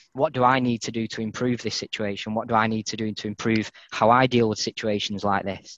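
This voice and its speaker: In a Mancunian accent, a man speaks at a fairly quick pace with hardly any pauses, medium pitch, and monotone, flat intonation, in a dry, close sound with no echo. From Manchester, England. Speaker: department head, coaching client. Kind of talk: personal testimony.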